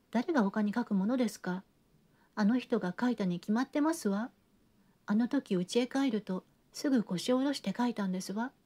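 A woman's voice: fairly high pitch, warm tone, lightly acted. A woman reading an audiobook, voicing a theatrical, talkative genteel lady who chatters on with refined, breathless sentences. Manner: gushing, breathless chatter with refined feminine endings. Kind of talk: audiobook reading of a classic novel.

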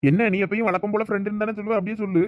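A pushy, coaxing young lover played by a man who talks fast in a fairly high voice. He has a Thoothukudi Tamil accent and keeps pressing his point in a homemade comedy skit. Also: little pitch movement, muffled recording, lightly acted. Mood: insistent, coaxing.

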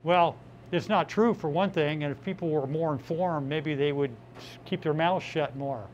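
A man's voice: on the high side, moderate pace, lo-fi sound, a little hiss or hum. An older man, a regular customer, speaking bluntly and indignantly in a restaurant news interview. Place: indoor restaurant.

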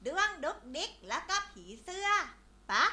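A woman's voice: very high voice, big pitch swings, unhurried, bright, forceful tone, full character voice. A woman voicing a friendly, industrious little ant in a children's story, speaking plainly with a chiding streak. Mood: friendly, inviting.

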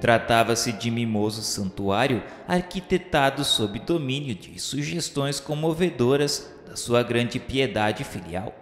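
Male narrator, Brazilian accent, solemn and literary, mid-pitched, long roomy reverb over music. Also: animated, a little slow, few pauses. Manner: solemn, formal literary delivery. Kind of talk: scripted audio drama narration of a spiritist novel.

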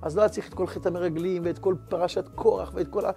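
A man's voice: sits high, fairly even intonation, vocal fry, mellow. A male rabbi giving a sermon with a parable, speaking emphatically and repetitively and often addressing his listeners directly.

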